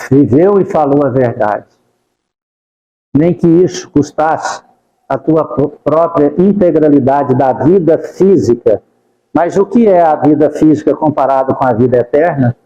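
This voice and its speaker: High-voiced man preaching in an echoey hall. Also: unhurried, long pauses, dark tone, highs cut off. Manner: fervent, pleading, repeats the name of Jesus. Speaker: spiritist lecturer. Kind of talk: devotional talk with spoken prayers. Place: spiritist center hall.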